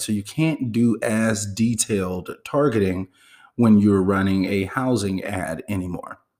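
Here a man with an American accent uses a normal speaking voice, fairly low in pitch with ordinary pitch variation. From Chicago, US Midwest. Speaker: real estate wholesale coach. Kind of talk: solo podcast monologue. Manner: casual, conversational.

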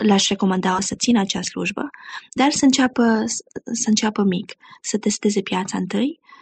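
A woman speaks with a fairly high pitch and ordinary pitch variation, sounding somewhat breathy. The sound is dry and close, with no echo. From Romania. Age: 20s. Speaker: entrepreneur and educator. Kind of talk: interview.

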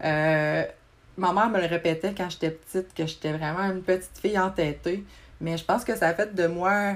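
A woman speaks with a Beauce Quebec accent at a moderate pace. Her pitch is medium, with ordinary pitch variation. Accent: Beauce Quebec French (beauceron). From Quebec, Saint-Lambert-de-Lauzon. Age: 30s. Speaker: podcast host, financial advisor. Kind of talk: casual solo podcast talk. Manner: hesitant, many filler words.

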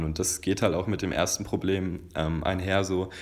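A man's very deep, low-pitched voice with fairly even intonation and a moderate pace. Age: 20s. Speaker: dating and self-development coach. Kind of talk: interview.

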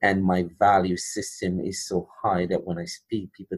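A man with a Jamaican accent speaks at a moderate pace. The background is quiet. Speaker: academic advisor. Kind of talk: interview.

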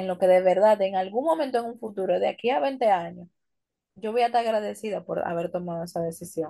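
With a dark, mellow tone and lively intonation, a woman speaks at a fairly quick pace in a medium pitch. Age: 20s. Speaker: doctor. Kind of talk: casual chat.

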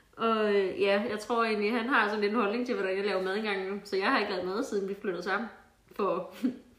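A woman talks fairly quickly at medium pitch in monotone, flat intonation. Audible room echo and noticeable background noise accompany her. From Central Jutland, Denmark (Silkeborg). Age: 20s. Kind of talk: casual chat.

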